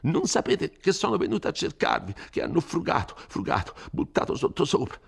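Man doing a fretful old priest, high strained voice, stammering, gravelly. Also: wildly swooping pitch, a little fast, exaggerated voice. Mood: anxious pleading. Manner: pleading, high-pitched, anxious, stammering.

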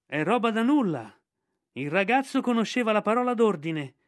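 A man voicing a male kite bird who calls down loudly with an urgent message. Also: sits high, very animated, normal speed, no echo, studio quality, voice pushed up. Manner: calling loudly from above.

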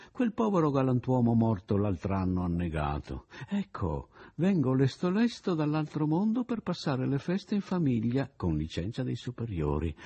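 Man doing an ironic self-styled ghost, playful, mock-solemn, higher pitch, husky. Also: mellow, muffled recording. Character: man mockingly posing as his own ghost.

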